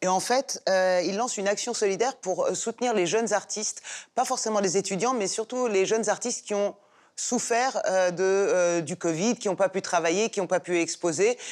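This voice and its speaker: A woman with a plain, everyday voice speaks at a moderate pace and medium pitch, with ordinary pitch variation, very even loudness and a very clean recording over a silent background. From France, arrived from Iran at age 10. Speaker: author and actress. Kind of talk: panel discussion.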